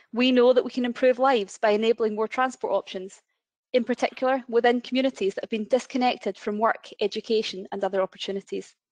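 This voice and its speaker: Her tone passionate, a woman speaks very fast in a high voice with fairly even intonation. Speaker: city councillor. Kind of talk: webinar speech. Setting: video call.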